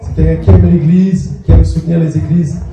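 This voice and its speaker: A man, a pastor, warmly introducing a guest preacher to his church. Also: fairly high pitch, little pitch movement, fairly quick, creaky, noisy background. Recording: echoey church hall, distant mic, faint music.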